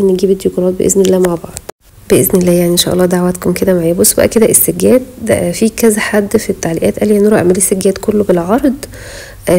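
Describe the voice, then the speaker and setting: A woman's voice: mid-range voice, dark tone, rough recording. A woman with an Egyptian accent, chatting in a home vlog voice-over, a bit out of breath as she talks. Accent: Egyptian Arabic. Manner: chatty, pious, talks straight to viewers. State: short of breath while talking. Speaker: home vlogger. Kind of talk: casual voice-over chat.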